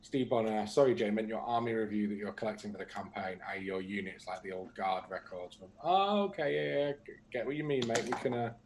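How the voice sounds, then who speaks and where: A man's voice: on the low side, steady tone, brisk, slight background noise. A man, co-hosting a casual livestream and chatting through viewer comments. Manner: chatty, reads out comments with asides. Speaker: co-host reading viewer comments.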